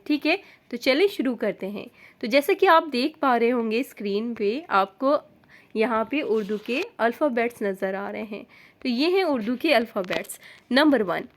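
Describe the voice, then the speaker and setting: A woman teaching a beginner Urdu lesson over an on-screen chart, patiently repeating each point and checking in often. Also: on the high side.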